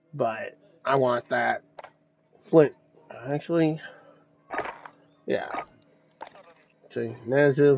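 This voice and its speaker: With music playing in the background, a man talks in a fairly high pitch. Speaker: gaming streamer. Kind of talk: live gameplay commentary. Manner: halting, repeats words.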